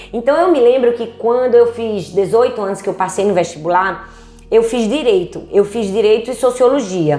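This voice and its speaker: Amid noticeable background noise, a woman with a fairly high pitch talks at a moderate pace, her intonation lively. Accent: strong northeastern Brazilian. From Northeast Brazil, Recife. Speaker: pastor. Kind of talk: casual chat. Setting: at the guest's home. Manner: talkative.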